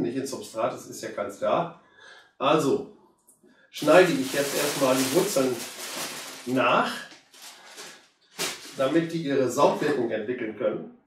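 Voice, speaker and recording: Hoarse man, 50s, relaxed chatty demo, very echoey room, distant mic. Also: mid-range voice, slight background noise. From Germany. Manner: relaxed, chatty, addresses viewers directly. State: hoarse from a cold. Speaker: bonsai hobbyist. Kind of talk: casual how-to commentary while working. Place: indoor room with curtain backdrop.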